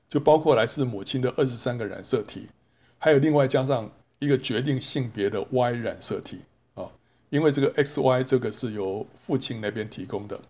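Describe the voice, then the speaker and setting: A man's voice: medium pitch, darkish tone. A male Bible teacher telling a story as a sermon. He asks rhetorical questions, answers them himself, and draws out the particles at the ends of his sentences. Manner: drawn-out sentence-final particles.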